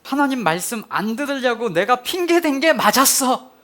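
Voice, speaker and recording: A man's voice: very high-pitched, very animated, normal speed, fairly bright tone, pitched above the performer's own voice, exaggerated voice. A male pastor voicing an exasperated male prophet, complaining to God in a whiny, indignant way. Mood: whining.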